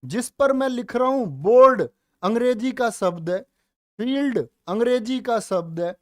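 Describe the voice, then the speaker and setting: A man's voice: very high-pitched, a little slow, no room sound, clean studio sound. A man teaching a grammar class online, coaxing and repeating questions to his students. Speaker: Hindi teacher.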